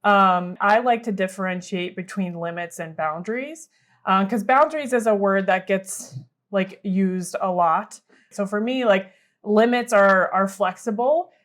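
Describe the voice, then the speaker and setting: Woman therapist talking it through casually, lots of "like" and "right", mid pitch. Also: a little slow, fairly bright tone. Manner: thoughtful, conversational, many fillers like "like" and "right". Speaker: therapist and panelist. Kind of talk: casual explanatory discussion.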